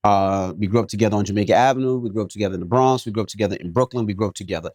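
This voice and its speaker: A man from New York City co-hosting a podcast, reading a listener's email aloud and then giving his take in a joking, animated way. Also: lowish voice, very fast, dry recording. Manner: animated, jokey, repeats himself. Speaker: podcast co-host.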